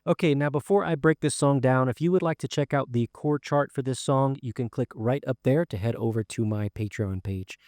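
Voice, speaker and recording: A man teaching a guitar song in a casual, explanatory way, often pausing with uh and um. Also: mid-range voice. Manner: relaxed, explanatory, many fillers like uh and um. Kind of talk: casual spoken guitar lesson.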